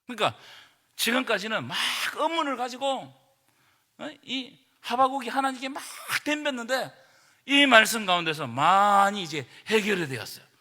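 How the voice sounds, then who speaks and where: A man, a pastor, leading a Bible study lecture in an emphatic manner that rises to forceful preaching, recorded in a church hall. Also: sits high, expressive, normal speed. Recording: long reverb of a church hall.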